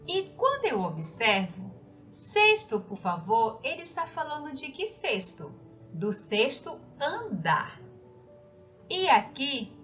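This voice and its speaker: A woman teacher giving a recorded lesson, speaking slowly and clearly and putting questions to the listener. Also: a little high, fairly bright tone. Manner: slow, clear, didactic, asks the listener questions. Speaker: primary school teacher. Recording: dull lo-fi sound with faint background music.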